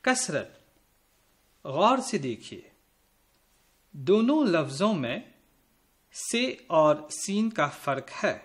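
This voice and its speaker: A man giving a recorded school lesson, his voice sitting a little high and rising and falling in a lively way. He speaks straight to the pupils in a patient, friendly tone. He slows down to spell out each word one letter at a time. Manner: slow, careful spelling out of letters; addresses pupils directly and kindly. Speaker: teacher.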